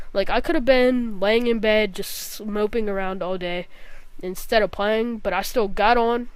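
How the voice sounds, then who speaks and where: Young woman, gaming vlogger, casual rambling story, blunt, swears, crisp tone, middle pitch. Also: no echo. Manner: rambling, blunt, swears freely, many fillers.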